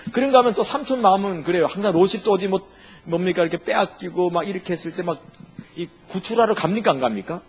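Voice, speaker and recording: A man's voice: sits high, fast, slight background noise. A man preaching a sermon as a pastor, asking the congregation questions and answering them himself.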